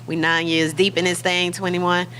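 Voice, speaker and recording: A woman's voice: lowish voice, little pitch movement, normal speed, bright, forceful tone, a little hiss or hum. A woman, a talent agency head, talking casually about her agency and podcast as a guest. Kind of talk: casual chat.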